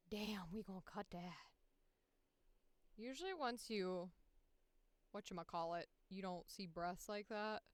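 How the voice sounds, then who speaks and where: A woman's voice: lowish voice, smooth, dry recording. A woman chatting casually and swearing freely as she talks herself through her work on a livestream. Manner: sweary, exclamatory, self-narrating. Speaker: voice actor livestreaming. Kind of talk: casual livestream chat while working.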